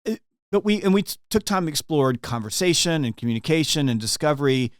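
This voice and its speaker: A man's voice: a little high, lively intonation, quick pace, smooth, dry recording, studio quality. A man hosting a sales podcast, interviewing a guest in an enthusiastic, conversational way. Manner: enthusiastic, conversational, some restarts. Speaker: podcast host.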